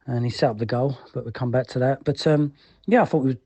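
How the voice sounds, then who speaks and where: A man's voice: medium pitch, quick pace, warm tone, slightly rough. A man giving a casual, rambling match review as a fan's voicemail, in colloquial language. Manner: colloquial, rambling, frequent "you know". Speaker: fan leaving a voicemail for a podcast.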